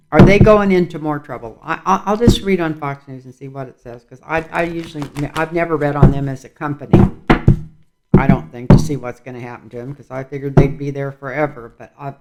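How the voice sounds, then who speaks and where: A man reading tarot cards in a casual vlog, rambling and musing aloud as he goes. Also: on the high side. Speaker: tarot reader.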